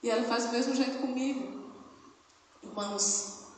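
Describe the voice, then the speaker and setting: A woman's voice: fairly high pitch, steady tone, normal speed. A middle-aged woman preaching a sermon as a missionary, telling stories and acting out quoted speech with rising emphasis. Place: church hall. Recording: echoey hall from far off, faint noise.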